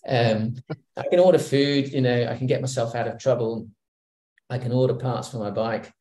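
A middle-aged man from Hong Kong, a guest on a video call interview, speaking in a relaxed, reflective way with many fillers and restarts. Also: medium pitch, normal speed. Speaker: guest executive. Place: home room. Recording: roomy video call audio.

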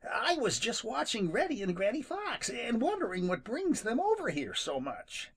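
A storybook narrator voicing a timid, indignant young male rabbit in a high, excited voice. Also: moderate pace, slightly rough, heavily acted.

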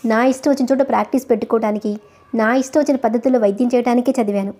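A furious young doctor lashes out at his mother in bitter, scornful retorts, as a woman reads him aloud. The delivery is quick and the voice mellow and rather high. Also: fairly even intonation, lightly acted. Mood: angry. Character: angry young male doctor, defiant son.

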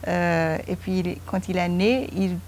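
Slow, hesitant woman in her fifties. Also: fairly low pitch, fairly even intonation, a little mellow. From Guyana. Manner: hesitant, with many fillers. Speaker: interview guest, mother. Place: shaded veranda of a home.

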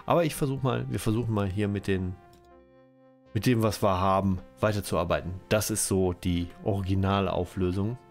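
A German-speaking man with a cold talks through a strategy game at his computer in a loose, rambling way, often correcting himself mid-sentence. His voice sits somewhat low, and faint music plays quietly underneath. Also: fairly even intonation, moderate pace. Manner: rambling, self-correcting, chatty. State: has a cold, coughing. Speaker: let's-play host. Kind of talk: casual game commentary.

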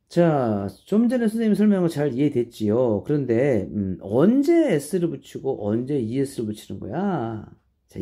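Male teacher, mellow and warm tone, patient step-by-step explainer for young students. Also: medium pitch. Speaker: English teacher. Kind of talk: grammar lesson for middle schoolers.

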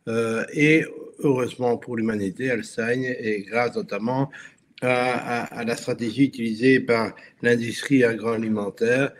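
A man's voice: medium pitch, steady tone. Belgian-born guy presenting on a video call, stops and restarts a lot, faint hiss behind. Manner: halting, many restarts and fillers. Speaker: guest speaker. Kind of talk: webinar presentation.

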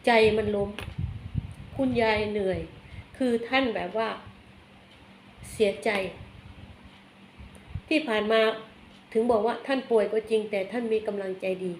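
A woman giving a casual tarot reading, chatty and blunt, softening her phrases with polite particles. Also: a little high, unhurried, long pauses. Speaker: tarot reader. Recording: echoey room, faint background noise.

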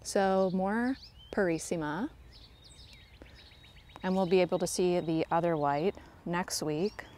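A woman's voice: lowish voice, takes it slowly, pauses often, darkish tone, slight background noise. A woman giving a casual walking tour of her home garden, chatty and self-deprecating, talking to viewers like friends, recorded outdoors on a handheld phone. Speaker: garden vlogger. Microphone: handheld phone camera, speaker off screen.

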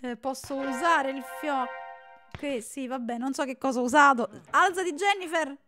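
A young woman streamer giving casual live commentary on a horror game, excitable, joking and yelling threats at the characters on screen. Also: high-pitched, normal speed, faint music behind. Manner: excitable, yells and jokes at the game.

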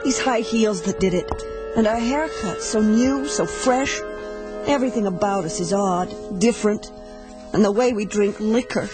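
An actress playing a frightened female fugitive from the future, soft, anxious and earnest. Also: mid-range voice, moderate pace, over music, lightly acted. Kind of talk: 1980s radio drama acting.

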